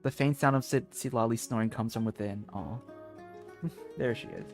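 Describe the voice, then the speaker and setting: Excitable man streaming a game. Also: medium pitch, normal speed, soft background music. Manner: excitable, exclaiming, chatting to viewers. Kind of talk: live gameplay commentary, reading dialogue aloud.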